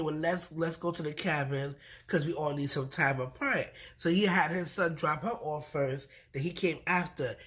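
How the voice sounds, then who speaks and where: A woman with a blocked-up, stuffy nose from allergies talks through a reality TV episode. She is chatty and blunt, swears freely and throws in lively asides. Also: sits low. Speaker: reality TV reviewer. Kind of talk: casual recap vlog.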